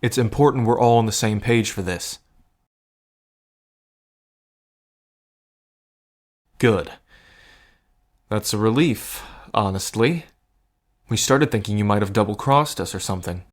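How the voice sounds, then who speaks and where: A man's voice: fairly low pitch, normal speed, close to an everyday voice. A man acting in an audio drama as a protective, wry cousin in a gambling scheme, talking in an earnest, conversational way. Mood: concerned, questioning. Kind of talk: scripted audio drama acting, addressed to the listener.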